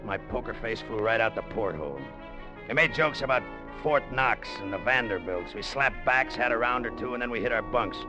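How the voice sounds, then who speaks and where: An actor playing a cocky streetwise gambler. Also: male voice, on the low side, close to an everyday voice. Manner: fast-talking, cocky, pushy. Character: brash gambler turned sailor, tough streetwise man. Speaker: narrator and lead. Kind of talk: 1940s radio acting. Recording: dull old radio broadcast.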